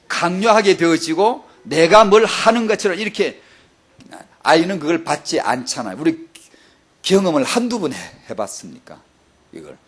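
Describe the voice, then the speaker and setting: A middle-aged man preaching a sermon to mothers, with emphatic, repetitive exhortation. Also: a little high. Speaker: pastor.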